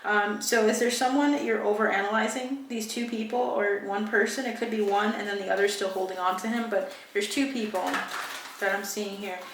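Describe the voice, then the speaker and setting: Woman reading tarot, musing, halting, echoey room, set back from the mic, faint hiss. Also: medium pitch, steady tone, recorded from a distance. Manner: musing, halting, reads card meanings aloud. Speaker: tarot reader.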